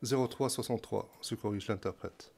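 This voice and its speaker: A man's voice: lowish voice, a little fast, gravelly, a little mellow. Male court interpreter naming each speaker. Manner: names each speaker before rendering their words. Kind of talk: simultaneous interpretation of a court hearing.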